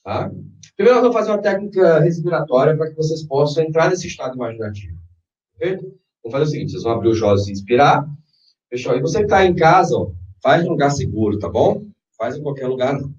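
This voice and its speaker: Brazilian male workshop trainer, slightly high-pitched and very expressive, instructive and persuasive, recorded in an echoey room. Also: quick pace. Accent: Brazilian Portuguese. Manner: instructive, persuasive, checks in with short questions. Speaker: NLP trainer leading a live workshop. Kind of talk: public workshop talk and guided visualization. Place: echoey room, live session in front of a group. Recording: roomy, distant, dull sound.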